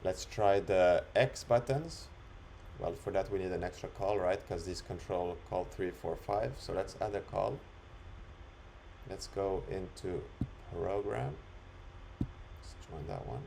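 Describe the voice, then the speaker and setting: Man demonstrating software for a tutorial. Lowish voice with gravelly fry, step-by-step delivery. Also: takes it slowly, slight background noise, rough recording. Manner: step-by-step, instructional. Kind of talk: screen-recorded tutorial walkthrough, unscripted.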